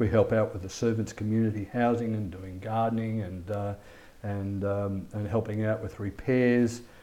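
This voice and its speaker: A man's fairly low voice has a dark, mellow tone and monotone, flat intonation. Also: moderate pace. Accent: Australian. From Australia, Melbourne (Hawthorn). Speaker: community club president, retired teacher. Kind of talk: radio interview.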